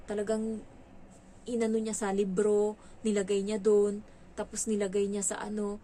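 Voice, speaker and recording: A woman from the Philippines working as a domestic helper, telling her story in a casual, lively way, acting out quoted dialogue and mixing in English words. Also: mid-range voice, a little hiss or hum.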